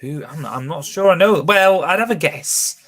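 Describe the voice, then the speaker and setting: A man's voice: a little high, animated, moderate pace, fairly bright tone. A man hosting a pub quiz from home, chatting casually as he reads out questions, answer options and team scores. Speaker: quiz host.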